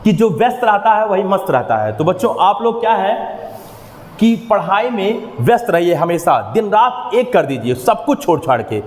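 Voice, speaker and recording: A man's voice: high voice, very animated, moderate pace, a little mellow. A man teaching a maths class, explaining step by step and often questioning his students, with motivational asides. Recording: echoey room, long reverb.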